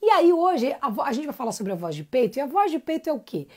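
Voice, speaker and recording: A woman's voice: high voice, big pitch swings, fast talker, warm tone. A woman giving a live-streamed singing lesson, chatty and encouraging, greeting viewers by name between explanations. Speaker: singing teacher.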